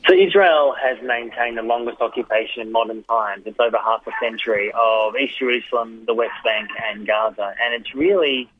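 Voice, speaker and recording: A man in his fifties answers interview questions in a thoughtful way, speaking in short phrases with pauses. His voice sits at a middle pitch and comes through a tinny phone line. The sound is dry, with no room echo. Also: slightly rough. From Australia. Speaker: guest, journalist and author.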